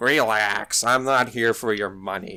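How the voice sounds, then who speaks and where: Using a raspy, put-on character voice, a man speaks at a fairly slow pace with a medium pitch and ordinary pitch variation. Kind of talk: 1920s gangster talk. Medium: actual play. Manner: brisk, businesslike.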